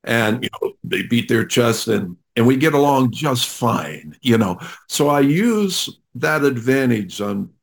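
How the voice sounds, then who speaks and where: A man speaking as a ministry leader guest in an interview, halting with many fillers but friendly. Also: mid-range voice, very animated, gravelly.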